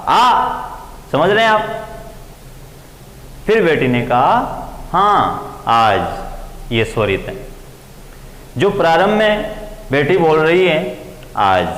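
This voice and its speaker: A man teaching Sanskrit grammar in a classroom lecture, explaining slowly and deliberately, and acting out quoted voices with big swings in pitch. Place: coaching classroom. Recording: echoey room with faint ambience.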